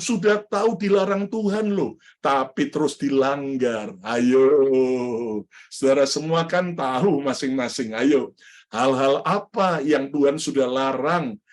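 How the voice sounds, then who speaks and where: A male pastor delivers a lively sermon. He keeps turning to address his listeners directly and slips jokes and stories in among his points. His voice sits somewhat high for a man. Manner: lively, repeatedly addresses the congregation, jokey storytelling.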